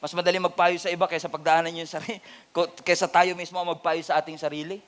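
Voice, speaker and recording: A pastor from the Philippines with a Filipino accent, delivering an animated, humorous sermon that mixes Tagalog and English. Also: male voice, on the high side, fast.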